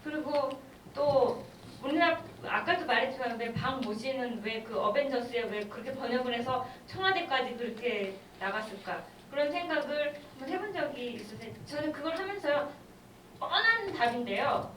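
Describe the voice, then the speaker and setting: A woman's voice: high-pitched, lively intonation, normal speed, fairly bright tone. A woman presenting a talk, drawing in the audience with rhetorical questions. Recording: echoey hall, distant mic, faint noise.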